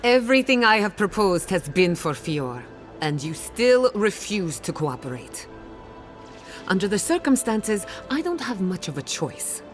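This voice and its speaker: An actress playing a proud, sharp-tongued outcast woman scholar in dramatic video game dialogue, articulate, assertive and wry. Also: mid-range voice, very animated, a little slow, faint music behind. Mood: defiant, bitter.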